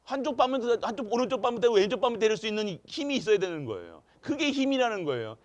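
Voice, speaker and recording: A male pastor preaching in a church, his voice pitched high for a man. He keeps asking the congregation questions. He moves from loud, pressing emphasis to quiet, hushed asides. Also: very animated, rapid-fire. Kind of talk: sermon. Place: church sanctuary.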